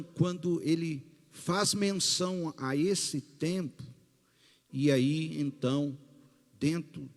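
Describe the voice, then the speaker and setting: Slow, high-voiced preaching man in a hall. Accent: Brazilian Portuguese. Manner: slow, emphatic preaching with rising bursts. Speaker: pastor. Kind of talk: sermon. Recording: long hall reverb with faint music.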